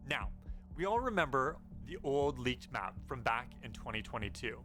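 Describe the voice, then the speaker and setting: Guy doing gaming news commentary, really bright punchy voice, medium pitch, music playing behind him. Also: very animated, normal speed. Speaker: gaming news YouTuber, host. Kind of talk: informal video commentary on game news. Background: background music.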